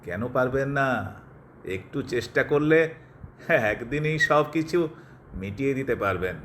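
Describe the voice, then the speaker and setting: A man's voice: medium pitch, animated, unhurried, fairly bright tone, slight background noise. A man playing a kindly, teasing young doctor and family friend in an audio drama, slipping English words into his speech. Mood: coaxing. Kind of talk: Bengali audio drama acting.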